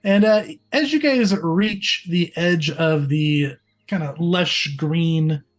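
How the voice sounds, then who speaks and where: A man narrates a tabletop game as game master, laying out each scene in loose, rambling sentences. His voice sits slightly high, and his delivery is easy and filled with little pauses. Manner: loose, descriptive, many fillers.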